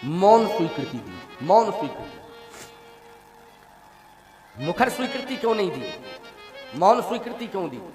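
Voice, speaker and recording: A man giving a devotional sermon, asking the listeners rhetorical questions and now and then singing verses slowly. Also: sits high, very animated. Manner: rhetorical questions to the audience, breaks into slow song. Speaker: preacher of Ramayana katha. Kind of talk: devotional sermon with sung chaupais. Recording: reverberant hall with music. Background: devotional music with tabla.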